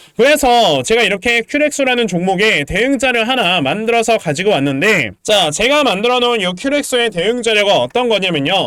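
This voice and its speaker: Over noticeable background noise, a high-pitched man talks at a fairly quick pace with lively intonation, very even loudness and hardly any pauses. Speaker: stock market commentator. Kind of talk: stock analysis with sales pitch. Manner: fast.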